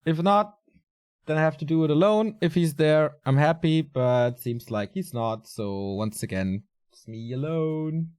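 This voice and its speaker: Man, game commentator, slightly raspy, tired, casual, fairly high voice. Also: measured pace, a little mellow. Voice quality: casual, chatty delivery with fillers. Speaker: esports caster.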